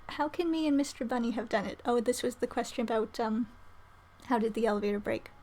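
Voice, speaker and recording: A woman streaming a game, commenting casually and reading the dialogue aloud in an animated way. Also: fairly high pitch, a little fast. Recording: slight background noise.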